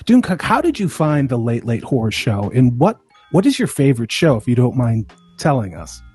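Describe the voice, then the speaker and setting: A man's voice: mid-range voice, sing-song, normal speed, a little mellow, slightly rough, dry recording. A man hosting a casual livestream chat, introducing and questioning his guests. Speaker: livestream host. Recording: music playing behind the voice. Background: music.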